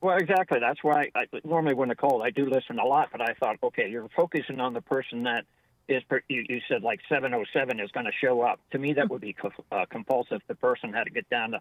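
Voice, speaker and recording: A man at medium pitch, very fast, with hardly any pauses. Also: ordinary pitch variation. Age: 70s. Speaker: caller. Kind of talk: call-in radio show. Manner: halting.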